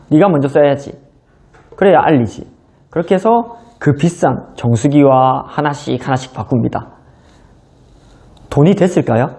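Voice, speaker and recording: A man's voice: mid-range voice, dark tone. A man in his thirties giving a motivational business lecture, telling his own story in a conversational way. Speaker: business seminar speaker.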